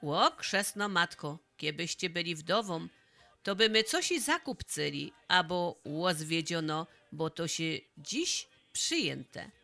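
A woman voicing a cocky young highland ladies' man with a Podhale highland accent, teasing and joking. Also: animated, takes it slowly, creaky, pushed and bright, faint music behind, heavily acted.

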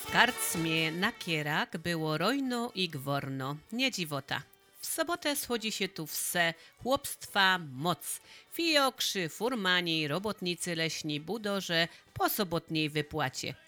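A woman with a Podhale highland accent reading a folk tale in highland dialect, in a slow, homely way. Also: lively intonation, bright, forceful tone, soft background music. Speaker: storyteller.

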